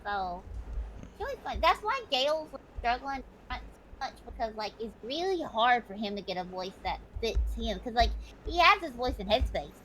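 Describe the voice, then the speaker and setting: Chatty woman streamer, real high squeaky voice, bounces all over, swears a lot. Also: very animated, moderate pace, fairly bright tone, a little hiss or hum, rough recording. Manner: high-pitched, calls own voice annoying. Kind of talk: casual chat.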